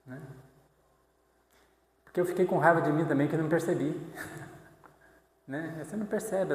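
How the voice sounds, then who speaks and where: A man's voice: medium pitch, darkish tone. A man preaches in an easy, talking-to-you manner, checking in with the congregation as he goes. His voice sits in the middle range. The sound rings with long echo through a large church hall. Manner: conversational, tag questions. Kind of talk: sermon.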